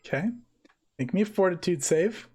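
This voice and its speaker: A woman's voice: fairly low pitch, lively intonation, normal speed, mellow, slight background noise. A woman running a tabletop roleplaying game as game master, talking casually and playfully.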